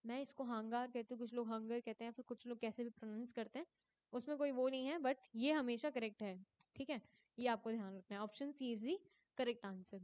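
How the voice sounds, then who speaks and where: A young woman teacher going through an exam paper, reading each question slowly and then explaining quickly in Hindi mixed with English, calling her students children. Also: fairly high pitch, a little mellow, smooth. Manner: addresses students as children, ends answers with a falling tone.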